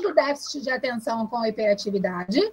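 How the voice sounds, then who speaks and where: A woman talks at a moderate pace. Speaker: educational psychologist. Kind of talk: lecture.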